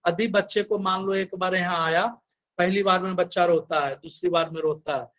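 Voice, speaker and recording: A man's voice: high voice, fairly even intonation, normal speed, a bit bright, lo-fi sound. A man giving a lecture, mixing Hindi and English and explaining through many examples.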